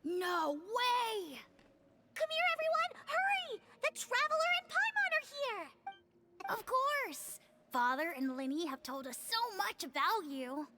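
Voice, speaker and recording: A woman voicing an excitable little child in an anime-style game. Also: extremely high pitch, takes it slowly, heavy background noise, heavily acted. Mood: excited.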